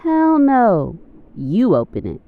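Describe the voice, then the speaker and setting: A blunt, stubborn workwoman played by an actress in an audio drama. Her pitch jumps about wildly, and the sound is narrow, like a phone. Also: huge pitch swings, slow pace, exaggerated voice.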